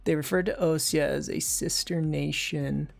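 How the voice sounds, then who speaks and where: A livestream host chatting casually and reading viewer comments, thinking out loud in a hesitant, musing way. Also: medium pitch, steady tone, normal speed, vocal fry, soft background music.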